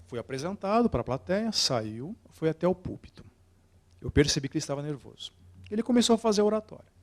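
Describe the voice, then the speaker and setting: A man with a Brazilian Portuguese accent gives a live lecture on public speaking, his voice sitting a little high for a man. He talks expressively and theatrically, dropping soft and then rising loud as he acts out the scenes he describes. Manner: expressive and theatrical, shifting loudness and acting out scenes. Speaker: oratory teacher. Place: lecture hall with a live audience.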